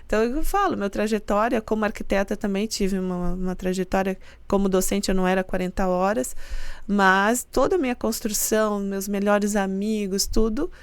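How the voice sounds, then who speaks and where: A woman's voice: mid-range voice, brisk, clear, resonant tone, no echo. A middle-aged woman, a university rector answering interview questions earnestly and explaining at length. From Santa Catarina, Brazil. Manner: earnest and explanatory, with soft laughs. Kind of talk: casual interview talk.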